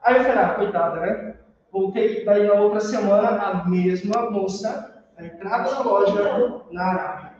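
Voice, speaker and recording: A Brazilian-accented man with a high voice teaches a customer service class at normal speed, telling animated stories and acting out both customers and clerks. The room is echoey and he's far from the mic, so the sound is dull.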